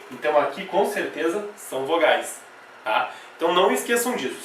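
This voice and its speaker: A Brazilian man with a Brazilian Portuguese accent teaching a grammar lesson at a whiteboard, repeating words slowly to point out their sounds and checking in with "tá?" and "né?". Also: fairly high pitch, slight background noise. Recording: echoey room, voice from a distance.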